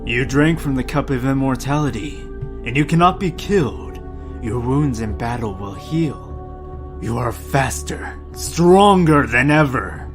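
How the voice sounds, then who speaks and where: A man's voice: mid-range voice, animated, measured pace. A man acting a sinister, grandiose elder of a secret cult in a radio drama, solemn, incantatory and menacing. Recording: music under the voice.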